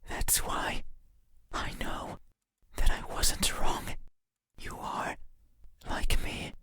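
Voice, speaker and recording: Slow whispering demon, acted out by a performer. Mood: eerie, intimate. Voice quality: breathy unvoiced whisper. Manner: slow, deliberate, intimate, insistent. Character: menacing, pleading demon in a horror visual novel. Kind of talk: whispered ASMR-style game voice acting.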